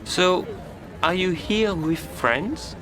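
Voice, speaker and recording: A man playing a friendly young man making small talk in a slow, clearly spoken lesson dialogue. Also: sits high, lively intonation, fairly bright tone, full character voice. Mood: chatty.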